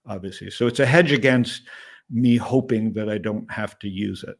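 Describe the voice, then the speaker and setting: Man, late fifties, gravelly, lowish voice, rambling candid interview talk. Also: moderate pace. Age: 50s. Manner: candid, rambling, frequent "right?" and "um". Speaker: startup investor and interview guest. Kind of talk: casual interview conversation.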